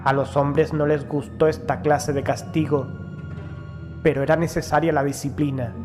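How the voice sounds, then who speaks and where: A man reading a first-person horror story as an audiobook narrator, in a measured, formal storytelling delivery. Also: a little high, level tone. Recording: music behind the voice. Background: background music.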